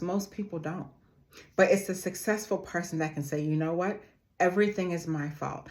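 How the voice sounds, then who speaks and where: A woman with a notably deep, low-pitched voice delivers a motivational talk straight to her viewers. She speaks earnestly and addresses them like family. She slows down to repeat her key phrases for emphasis. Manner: calls her audience "family".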